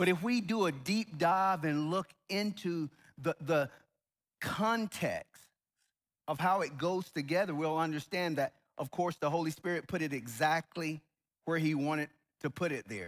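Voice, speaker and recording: Long, frequent pauses break up a man's fairly high-pitched speech at a moderate pace with ordinary pitch variation. The recording is very clean with a silent background and a dry, close sound with no echo. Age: 60s. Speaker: pastor. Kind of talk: sermon. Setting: church.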